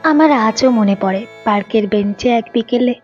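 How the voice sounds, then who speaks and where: A woman's voice: fairly high pitch, moderate pace, breathy edge. A woman playing a lovelorn, devoted woman in an audio romance drama, with a tender, wistful, emotional delivery. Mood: wistful, aching. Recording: dull lo-fi audio with faint music. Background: faint music.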